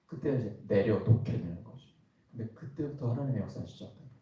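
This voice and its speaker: A man's voice: fairly low pitch, animated, fast talker, mellow. A man pastor preaching a sermon in a church worship hall, talking conversationally and asking the congregation rhetorical questions. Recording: very echoey hall, voice from some distance.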